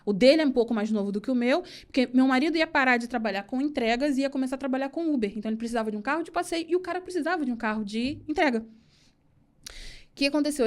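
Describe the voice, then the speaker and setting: Fast, high-pitched woman telling a story. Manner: animated storyteller acting out quoted dialogue. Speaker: podcast guest. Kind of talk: casual storytelling.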